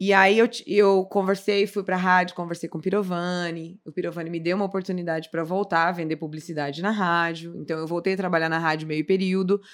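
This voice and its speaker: A woman speaks with an animated tone at a fairly quick pace, with hardly any pauses and a fairly low pitch. The recording is very clean, with a silent background. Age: 40s. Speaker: voice-over artist and actress. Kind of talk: casual interview chat.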